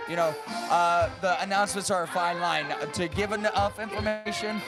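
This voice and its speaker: Upbeat, high-voiced man over loud music. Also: normal speed. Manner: upbeat, animated storytelling. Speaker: cruise director. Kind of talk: casual live interview.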